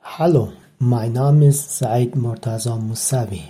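A man from Afghanistan, a language learner, speaking slowly and carefully in recorded messages. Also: medium pitch, dark tone, slightly rough. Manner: slow, careful learner's German.

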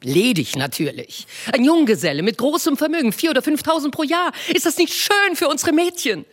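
A woman voicing an excitable, pushy middle-aged mother and wife during a literary reading, her voice pitched high, shrill and insistent. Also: a little fast. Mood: gushing, insistent.

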